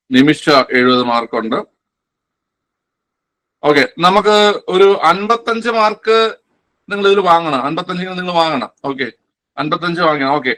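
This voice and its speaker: A male teacher runs an online quiz class for exam aspirants. His voice is bright and sits a little high, and he repeats every answer, often answering his own questions. He talks in a casual classroom manner.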